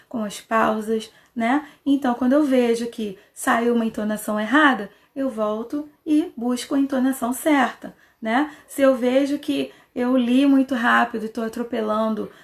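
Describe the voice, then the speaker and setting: A woman with a Brazilian Portuguese accent, a Portuguese teacher talking casually to her viewers during a live reading lesson, patient and chatty, checking in often. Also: fairly high pitch. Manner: patient explainer who pauses and restarts.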